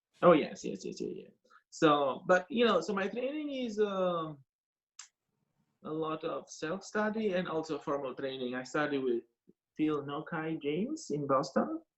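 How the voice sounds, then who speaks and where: A man's fairly high-pitched voice with an Albanian accent, lively intonation and a fairly slow pace. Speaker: professional flutist and shakuhachi player. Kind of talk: interview.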